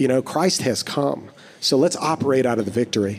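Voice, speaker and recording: Medium-pitched male speech at a moderate pace with ordinary pitch variation. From Canada, Manitoba. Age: 30s. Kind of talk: casual onstage interview before a live audience. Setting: stage with live audience. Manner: relaxed, earnest and reflective.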